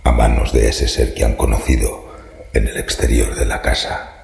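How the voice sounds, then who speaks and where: An actor playing a cryptic, courteous old man with a gravelly, whispery voice and in an audio horror drama. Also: a bass voice, level tone, a little mellow, full character voice. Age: older. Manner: slow, ominous, courteous. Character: sinister old man, cryptic host of a dark mansion. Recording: echoey room sound.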